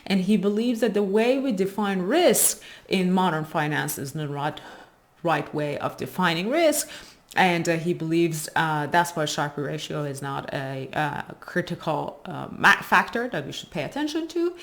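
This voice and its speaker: A woman's voice: on the low side, expressive, unhurried. Woman explaining investing research. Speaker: host of an investing video channel.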